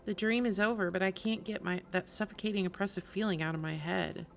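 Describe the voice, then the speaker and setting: A woman's voice: mid-range voice, fairly even intonation, brisk, vocal fry, slight background noise. A woman streaming a game, casually reacting and reading dialogue aloud.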